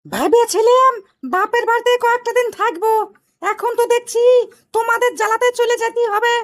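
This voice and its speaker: Very high-pitched scolding young wife voiced by a woman. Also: brisk. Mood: exasperated. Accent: Rajshahi Bangladeshi Bengali. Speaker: daughter and wife in a comedy cartoon. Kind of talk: amateur cartoon comedy dialogue.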